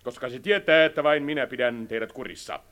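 A man's voice: mid-range voice, fairly bright tone, natural voice. An actor playing a domineering, cold male dictator president in a radio drama, speaking curtly and imperiously. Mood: stern. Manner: curt, imperious, cutting. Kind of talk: 1960s radio drama acting.

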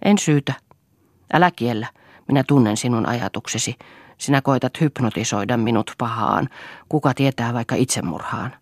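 A woman reading an audiobook, voicing a furious, violent husband who shouts in raging outbursts. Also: rumbling low, no room sound, clean studio sound. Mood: accusing.

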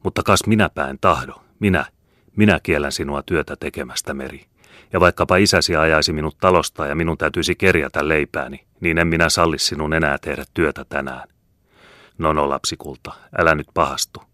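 Man reading a little old foreman, fatherly, coaxing, very low voice, dry audiobook sound. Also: fairly even intonation, no room sound. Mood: stubborn, soothing. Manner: gentle, coaxing, fatherly scolding.

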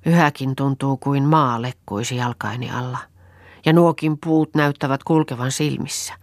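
A woman's voice: a bass voice, no room sound. A woman voicing a fretful, grumbling young countrywoman who wails and mutters complaints, in a storybook reading.

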